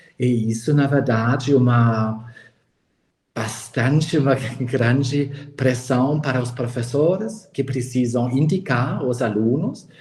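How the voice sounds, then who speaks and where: Speaking very slowly with a German accent, this somewhat breathy voice shows ordinary pitch variation against audible room echo. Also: man, medium pitch for a man. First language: German (speaking Portuguese). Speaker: school coordinator, educator. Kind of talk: interview. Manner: halting, many fillers.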